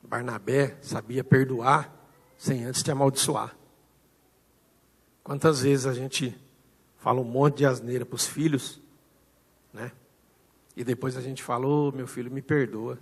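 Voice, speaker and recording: A man with a Brazilian Portuguese accent preaching a sermon, telling a story and acting out the dialogue with swings in loudness. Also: mid-range voice, fairly even intonation, slow, vocal fry, long pauses, slightly rough, big-room sound. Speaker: pastor. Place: church hall.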